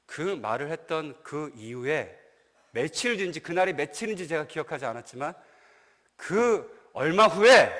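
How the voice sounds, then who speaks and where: Male pastor, high voice, long church reverb; animated sermon with questions to the congregation. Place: church sanctuary.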